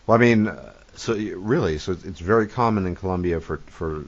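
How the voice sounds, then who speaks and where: A man with an extremely deep voice hosts a casual interview. He speaks haltingly, restarts his phrases and drops dry, sardonic asides. The sound is dull and lo-fi. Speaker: host and interviewer. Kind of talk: casual conversation, asking questions.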